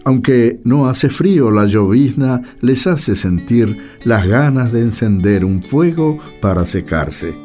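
A man's voice: mid-range voice, animated, slow, hardly any pauses, dark tone, faint music behind. A man with an Argentine accent reading scripted narration for a radio drama.

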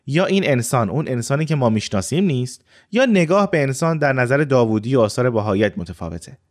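A man narrating a reflective first-person story in a scripted style. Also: mid-range voice. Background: faint music.

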